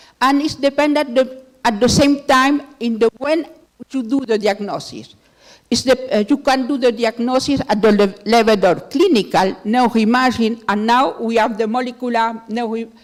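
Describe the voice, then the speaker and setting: A woman speaks with a French accent. Her pitch is high. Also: ordinary pitch variation, moderate pace. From France. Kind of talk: conference presentation. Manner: halting, many fillers.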